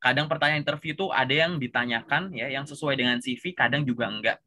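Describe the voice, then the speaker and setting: A man with a Javanese accent giving a relaxed, chatty coaching session and tagging his sentences with filler words. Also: mid-range voice, fast. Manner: relaxed, chatty, says "gitu" constantly. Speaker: career coach.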